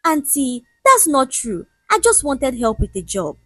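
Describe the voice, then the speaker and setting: A gentle, humble young woman, voiced by a storyteller, pleads softly in a high, breathy voice with lively rises and falls. Her is clear, and the sound is dry and close. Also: a little slow, no echo, full character voice. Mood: pleading. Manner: soft, pleading.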